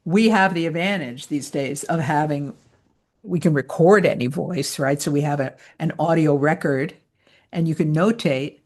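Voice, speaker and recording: A woman's voice: low-pitched, moderate pace, a little mellow. A woman coaching voice actors in an online training session, talking in a chatty, explanatory way and laughing easily. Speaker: voice-over coach.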